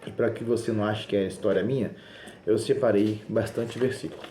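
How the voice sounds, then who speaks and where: A man's voice: lowish voice, steady tone, a little fast, warm tone. Male preacher, insistent sermon delivery, roomy echoey recording with faint hiss. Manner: emphatic, insistent preaching with repeated phrases. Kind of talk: sermon video. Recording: roomy echo, faint background noise.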